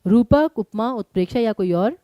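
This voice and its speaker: A woman teaching an online exam-prep lesson, quizzing her students and explaining each answer briskly. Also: fairly high pitch, expressive, warm tone, dry recording, clean studio sound.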